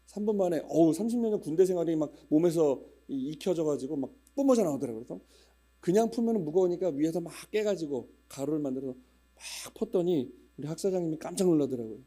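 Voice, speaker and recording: Chatty middle-aged male pastor, dark voice. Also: on the high side, expressive, fast. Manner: chatty, humorous storytelling with regional dialect imitations. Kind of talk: casual church announcements before a sermon.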